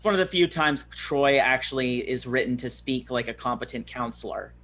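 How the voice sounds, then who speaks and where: A man's voice: mid-range voice, normal speed, noisy background. A man chatting casually as a panelist in a group. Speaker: podcast panelist. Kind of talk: casual discussion.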